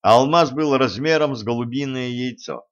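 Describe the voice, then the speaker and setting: A man narrates an audiobook with a steady, even delivery. His voice sits at a middle pitch. The recording is slightly muffled. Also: normal speed.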